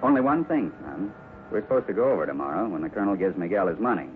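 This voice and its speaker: A stern, upright cowboy in a vintage radio western, firm and fatherly. He talks quickly with a lively, mid-pitched voice. The sound is tinny, with some hiss. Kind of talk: 1950s radio western acting. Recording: scratchy 1950s radio recording, tinny, noisy.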